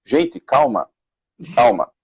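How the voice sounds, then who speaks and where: A man with a Brazilian Portuguese accent, a guest sales manager on a live video call, giving animated career advice and acting out sample messages. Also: takes it slowly, vocal fry, husky, rough recording. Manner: animated, acts out sample messages with rising pitch. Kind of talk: live online career chat.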